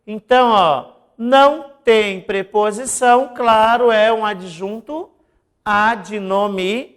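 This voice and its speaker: A woman's voice: mid-range voice, slow, smooth. Brazilian lady teacher explaining exam answers, mid voice, keeps checking in with the class. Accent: Brazilian Portuguese. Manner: didactic, asks and answers own questions, says "né?" and "ó" often.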